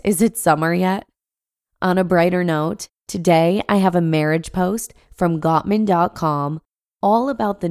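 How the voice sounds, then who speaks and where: A woman's voice: deep voice, darkish tone, smooth, no room sound, studio quality. A woman hosting a podcast and reading a blog post aloud, a bit congested from a cold, with friendly chatty asides. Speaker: podcast host and narrator.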